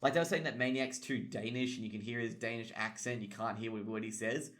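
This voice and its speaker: A fast-talking young Australian esports caster and stream host covers tournament news in a casual ramble loaded with fillers and swear words. His mid-range voice holds a steady pitch and has a fairly bright tone.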